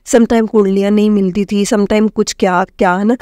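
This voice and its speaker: A young woman from Himachal Pradesh telling her personal testimony to a congregation, addressing them warmly and mixing in English words. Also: mid-range voice, steady tone, fairly quick, no room sound, studio quality. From Himachal Pradesh, India. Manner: addresses listeners as "sangat ji", mixes in English words. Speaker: devotee sharing a testimony.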